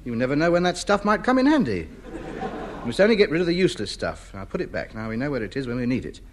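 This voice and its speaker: A man's voice: medium pitch, sing-song, fast talker, natural voice. An actor in a 1950s radio comedy playing a fussy, pompous man who hoards junk. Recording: old radio recording, noisy.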